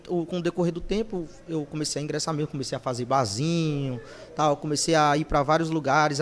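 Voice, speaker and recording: A man with a fairly high voice for his sex tells stories as a guest on a podcast, speaking casually and conversationally. He brings his anecdotes to life by acting out the voices of the people he quotes. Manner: lively storyteller who acts out quoted voices. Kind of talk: casual storytelling interview.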